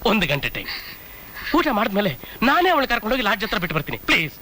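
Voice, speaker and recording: A man's voice: high-pitched, sing-song, very fast, slight background noise, heavily acted. A doting father turned furious. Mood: pleading. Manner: affectionate and pleading, shouts angrily. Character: loving father, commissioner, later furious. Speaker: father, police commissioner. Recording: film soundtrack with music.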